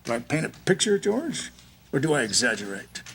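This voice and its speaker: A bossy rich old schemer in a radio drama, creaky voice that swoops up and down, condescending. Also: male voice, mid-range voice, sing-song, normal speed, fairly bright tone, a little hiss or hum. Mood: sly, condescending. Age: older. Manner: wheedling, condescending, commanding. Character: scheming rich old man, domineering, sly and impatient. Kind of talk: staged 1940s radio drama acting.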